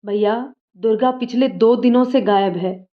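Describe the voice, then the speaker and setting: A woman voicing an anxious young village girl, hurried and urgent, on slightly dull audio. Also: fairly high pitch, close to an everyday voice.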